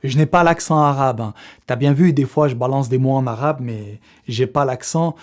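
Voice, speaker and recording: A man's voice: mid-range voice, normal speed. A young man hosting a casual vlog giveaway, talking in slangy, chatty French with frequent swearing and laughs. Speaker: fitness youtuber running a giveaway draw. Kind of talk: casual vlog talk to camera.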